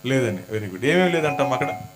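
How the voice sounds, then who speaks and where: A man's voice: medium pitch, expressive, quick pace. A man preaching a sermon in a church, talking casually and teasing the congregation with questions. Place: church hall.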